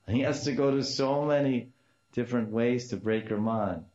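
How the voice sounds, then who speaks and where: An older man with a deep voice gives an informal Hindu devotional discourse, telling stories and repeating key phrases and Sanskrit terms as a teacher. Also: moderate pace, a little mellow. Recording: dull, slightly muffled lo-fi recording.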